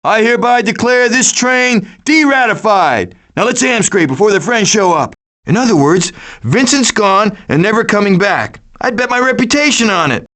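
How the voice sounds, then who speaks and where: RJ, a high-pitched wisecracking cartoon raccoon. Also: male voice, animated, normal speed, fairly bright tone. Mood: sarcastic, casual. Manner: glib, sarcastic, cocky quipping. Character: wisecracking, scheming cartoon raccoon leader of a food-thieving gang. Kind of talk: animated video game voice acting.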